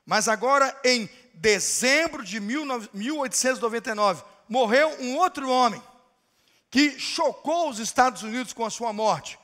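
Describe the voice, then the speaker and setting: A man preaching a sermon in a large church, telling a story dramatically and rising to shouted climaxes. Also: very high-pitched, animated, normal speed. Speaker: pastor. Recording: long hall reverb of a church.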